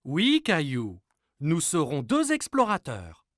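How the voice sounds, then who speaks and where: Cheerful young cartoon dad, mock-grand and patient, hugely animated intonation. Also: male voice, on the high side, slow, full character voice. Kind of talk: children's cartoon dialogue.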